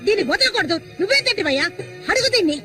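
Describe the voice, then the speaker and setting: A shrill, wailing village mother. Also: animated, very fast, bright, forceful tone, full character voice. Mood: accusing. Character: distraught middle-aged village mother, furious and grieving. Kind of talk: Telugu film drama. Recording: film soundtrack with music and crowd.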